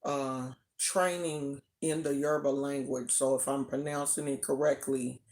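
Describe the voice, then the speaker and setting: A woman's voice: extremely low pitch, steady tone, a little slow, a little mellow. An American woman teaching casually to a live audience, chatty and repeating herself for emphasis. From United States. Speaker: teacher of a religious tradition.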